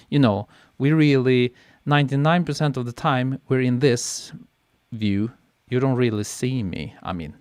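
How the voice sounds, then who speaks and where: A man hosts a live stream, chatting with viewers at an unhurried pace. His voice is smooth and clear, picked up close on a podcast mic with very little room sound. He reads comments aloud and laughs easily. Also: mid-range voice, dry recording. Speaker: photographer hosting a live stream. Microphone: podcast mic on a boom arm.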